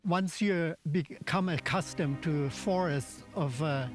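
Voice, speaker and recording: An older man speaks as an expert in a documentary interview, in a slightly high voice. He explains things precisely and formally, choosing his words with deliberation, while music plays clearly underneath. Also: unhurried.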